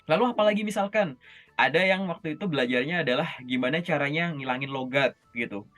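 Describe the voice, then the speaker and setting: A man with a fairly high voice coaches job interview skills over a video call, talking in a lively, chatty way and often checking in with his listener. Faint music plays in the background. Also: quick pace. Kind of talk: casual coaching session.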